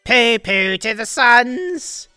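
Woman doing a scheming gloating male villain, sly, gleeful, wildly swooping pitch, dry close sound. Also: huge pitch swings, slow pace, sharp tone, no room sound, faint music behind, full character voice.

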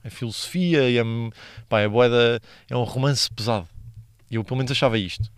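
Young portuguese guy rambling on his podcast, slangy, talks quick, dry close sound. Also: mid-range voice, smooth, dry recording. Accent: European Portuguese. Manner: slangy, rambling, laughs at his own stories. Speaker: podcast host. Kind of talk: casual solo podcast monologue.

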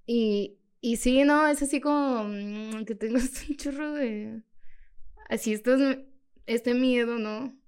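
A woman with a Mexican accent telling a personal story in a casual, animated way as a podcast guest, laughing often. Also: fairly high pitch, slow pace, clear, resonant tone. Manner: animated, laughs often, acts out her own past lines.

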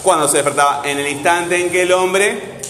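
A male teacher with a high-pitched, sharp voice teaches a class at normal speed, repeatedly asking his questions again to prompt his students. The echoey hall carries faint background noise.

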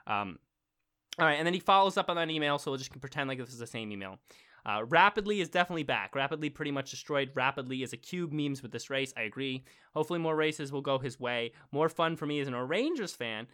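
Young guy podcasting, bright clear voice, reads emails, rambles with lots of um and like. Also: mid-range voice, quick pace. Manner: rambling, filler-heavy, excitable about marble racing. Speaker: podcast co-host reading listener emails. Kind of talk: casual chat.

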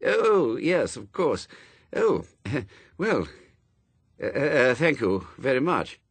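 A man's voice: mid-range voice, big pitch swings, slow pace, slightly rough, dry recording, pitched above the performer's own voice, heavily acted. A man voicing a fussy, anxious, polite angel bookseller in a storybook, prim and flustered, with stammers. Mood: nervous, flustered.

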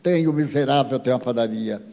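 A man's voice: medium pitch, a little fast, dark tone, close to an everyday voice. A man voicing the aggrieved, accusing spirit of a young man who was wronged by his godfather. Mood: bitter. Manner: bitter, accusing. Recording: long hall reverb.

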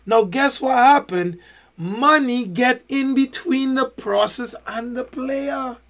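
A man's voice: extremely high pitch, a bit bright. A man co-hosting a casual podcast discussion, making emphatic points with rhetorical questions and long analogies. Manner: fills pauses with many "you know"s. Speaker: podcast co-host.

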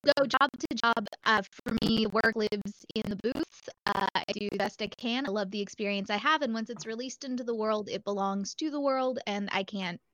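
A woman's voice: a little high, moderate pace, few pauses, a bit bright, no echo. A woman voice actor chatting on a panel, telling anecdotes and acting out quoted dialogue. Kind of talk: casual panel chat.

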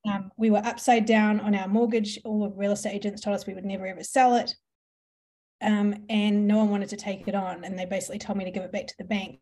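A woman's voice: medium pitch, level tone, quick pace, warm tone. A woman from New Zealand with a New Zealand accent, a podcast guest telling her business story in a chatty way, with frequent ums and laughs. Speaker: podcast guest, marketing entrepreneur. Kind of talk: conversational storytelling.

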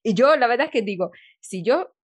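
A woman hosting a podcast interview, thinking aloud in a halting way with many restarts. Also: fairly high pitch, animated, breathy edge, no echo, studio quality. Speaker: podcast host. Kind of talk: casual interview chat.

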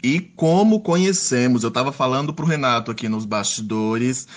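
A man's voice: medium pitch, normal speed. A man hosting an interview, asking questions with enthusiasm and frequent exclamations. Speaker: interview host.

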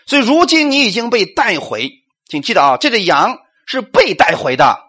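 A man preaches a sermon in a high voice that swoops up and down with lively energy. He fires rhetorical questions at the congregation, acts out little quotes and keeps calling for amens. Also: moderate pace, husky. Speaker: pastor.

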